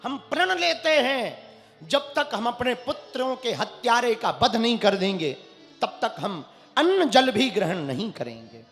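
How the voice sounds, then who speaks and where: A proud warrior prince swears vengeance in a loud, declaiming, high voice, as a male preacher puts him on. The sound is bright and edged, and it rings through a large hall. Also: very animated, measured pace, heavily acted. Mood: vowing. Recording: echoey hall with faint music.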